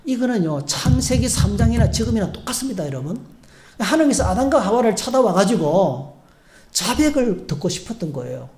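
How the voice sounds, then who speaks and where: Male pastor, sermon delivery with acted-out prayers, mellow tone, reverberant sanctuary. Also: high-pitched, big pitch swings, brisk, soft background music. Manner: preaching with acted prayers and call-and-response. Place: church sanctuary. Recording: echoey church hall.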